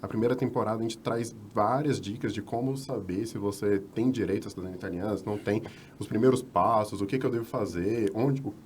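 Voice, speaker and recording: A Brazilian man with a Brazilian Portuguese accent, co-hosting a podcast and briskly recapping earlier episodes for the audience. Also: on the low side, darkish tone, a little hiss or hum. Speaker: podcast co-host. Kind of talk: casual podcast chat.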